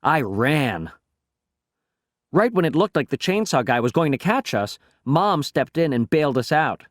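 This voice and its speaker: A man reading a first-person children's story aloud as an audiobook narrator, telling it in an expressive, boyish voice. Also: a little high, unhurried, dry recording, clean studio sound.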